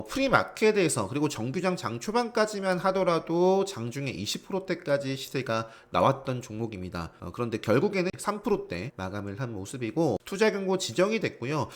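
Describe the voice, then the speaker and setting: A man with a sore, strained throat giving a brisk, explanatory daily stock market recap as he talks through charts. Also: on the high side.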